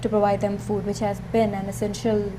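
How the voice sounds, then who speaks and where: A woman's voice: mid-range voice, flat delivery, a little fast. A young woman from Pakistan, speaking earnestly on a panel and often saying "like" and "stuff". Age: young adult. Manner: earnest, leans on fillers like "like" and "stuff". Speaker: student panelist. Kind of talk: panel discussion. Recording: noisy room recording.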